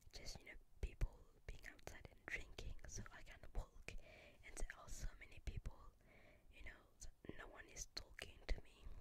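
Whispering at a moderate pace, the speaker leaves long, frequent pauses and shows big swings in loudness. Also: woman. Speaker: ASMR creator. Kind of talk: ASMR whispered talk. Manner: whispered. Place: home room.

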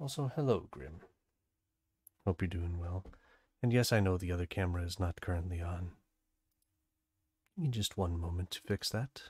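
With a very deep, low pitch, a man talks somewhat breathily at a moderate pace, with ordinary pitch variation and long, frequent pauses. The sound is dry, with no echo. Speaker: game streamer. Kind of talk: live stream chat. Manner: quieter than usual. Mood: relaxed, a bit subdued. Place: home room.

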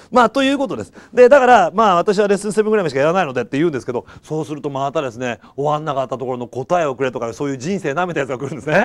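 Against a quiet background, a man speaks very fast, with very wide pitch swings and big swings in loudness. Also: fairly high pitch for a man, hardly any pauses. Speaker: cram school English teacher; prep school English teacher. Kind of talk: lecture. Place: classroom. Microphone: lapel.

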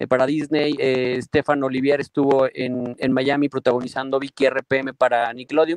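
An unremarkable speaking voice from a man, fairly high in pitch, at a moderate pace, with a dry, close sound and no echo. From Mexico. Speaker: actor. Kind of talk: interview.

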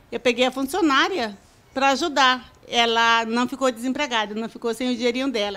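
At a moderate pace, a woman talks in a high pitch with a bright, sharp tone. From Rondônia, Brazil. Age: 60s. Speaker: craftswoman. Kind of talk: interview. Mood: warm, reflective, hopeful. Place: home room.

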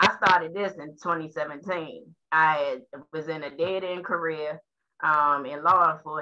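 A woman with an American accent, very deep, low pitch, bright, sharp tone and fairly even intonation, against a quiet background. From Washington DC, Southside; Washington DC. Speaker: small business owner; podcast guest. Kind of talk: casual interview chat. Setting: podcast recording. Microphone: webcam.

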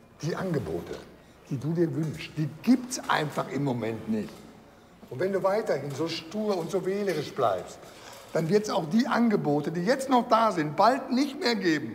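Pitched high for a man, his voice makes very wide pitch swings at a fairly slow pace. Light background noise can be heard. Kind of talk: scripted acting, mockumentary interview monologue.

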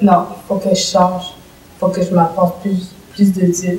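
Audible room echo surrounds a woman as she talks at a fairly slow pace. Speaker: church member being baptized. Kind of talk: testimony. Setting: church. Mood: earnest, grateful. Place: home room. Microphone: camera far.

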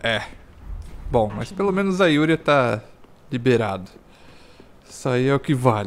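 Speaking at a fairly slow pace, a man leaves long, frequent pauses. His pitch swings very widely. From Brazil. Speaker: gaming YouTuber; gameplay streamer. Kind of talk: casual gameplay commentary. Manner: animated. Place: home room.

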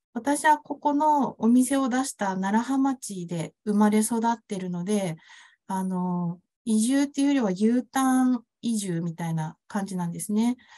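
Against a quiet background, a woman with a dark, mellow, somewhat breathy tone speaks fairly slowly at a fairly high pitch with lively intonation. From Naraha, Fukushima; Fukushima, Japan. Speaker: pastry shop owner. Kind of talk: presentation. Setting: online video event. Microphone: video call.

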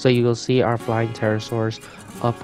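Music plays in the background as a man talks at a moderate pace. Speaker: gaming content creator. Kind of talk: game walkthrough commentary.

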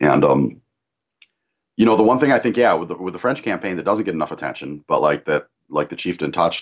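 Over a quiet background, a man with a Midwestern accent and vocal fry speaks at a very fast pace. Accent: American, Midwestern. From Michigan, US Midwest. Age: 40s. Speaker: tank history YouTuber and blogger. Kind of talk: casual conversation. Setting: video or voice call. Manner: frequent fillers, hesitant. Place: home room. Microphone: webcam.

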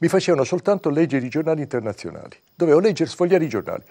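A man against a quiet background. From Southern Italy, Reggio Calabria; Calabria, Italy. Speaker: journalist, war correspondent. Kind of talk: TV interview. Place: studio. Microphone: lapel.

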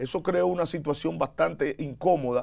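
There is vocal fry in this man's voice. Nothing much can be heard behind him. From Dominican Republic. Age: 50s. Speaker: radio announcer and media executive; radio announcer. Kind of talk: interview. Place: studio. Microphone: lapel.

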